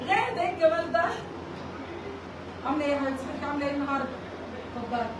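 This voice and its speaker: A woman's voice: high-pitched, animated, racing, reverberant, distant mic, noisy background. An Egyptian woman vlogging casually, chatting playfully and cooing greetings to her animals outdoors. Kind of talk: casual vlog chat.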